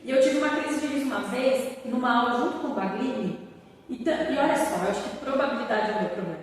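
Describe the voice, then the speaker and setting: A woman teacher chatting in an interview, a lively storyteller who laughs easily. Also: a little high, fast talker, slight background noise. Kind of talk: casual interview chat. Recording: echoey room from far off.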